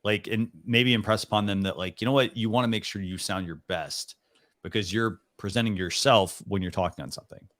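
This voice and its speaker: A man's voice: fairly low pitch, brisk, a bit bright, no echo. A man co-hosting a live stream, chatting casually in a rambling way with lots of restarts. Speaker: co-host of a live stream show.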